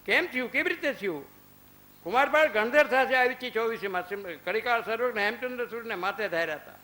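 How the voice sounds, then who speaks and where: Extremely high-pitched, fast, bright and forceful, this man's voice carries a religious talk through an ashram hall on a rough recording. He's in his fifties and tells stories full of quoted dialogue and rhetorical questions.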